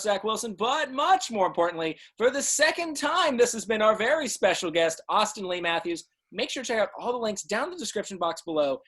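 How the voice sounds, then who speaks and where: A man's voice: high voice, fairly bright tone. Casting: young adult male host, casual but practised presenter delivery on a video-call interview. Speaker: show host. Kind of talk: casual interview hosting with rehearsed sign-off. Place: small room at home, video call.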